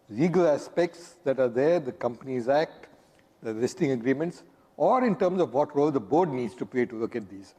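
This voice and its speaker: Brief: hoarse male moderator, husky and mellow, polite, echoing hall. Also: mid-range voice. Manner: courteous, introducing speakers. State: hoarse, losing his voice. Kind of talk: panel discussion. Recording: long hall reverb.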